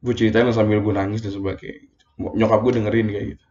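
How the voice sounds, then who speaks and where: A man's voice: on the low side, little pitch movement, fast talker, a little mellow. A young man telling a true personal story in a casual, slangy monologue, full of fillers and emotion, recorded as a phone voice message. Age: young adult. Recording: roomy, dull lo-fi voice message.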